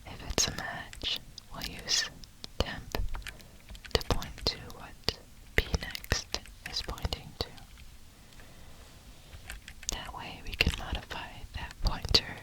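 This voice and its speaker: A person whispering close to the ear in an unvoiced ASMR tutorial style, with deliberate delivery, as a programming instructor. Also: poor audio. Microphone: close ear-to-ear stereo microphone. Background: computer keyboard typing.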